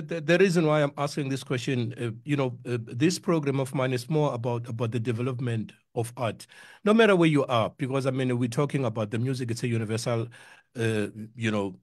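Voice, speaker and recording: A man's voice: mid-range voice, no echo, studio quality. A middle-aged man with a South African accent hosting a casual radio music interview, rambling and repeating words for emphasis. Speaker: community radio music show host.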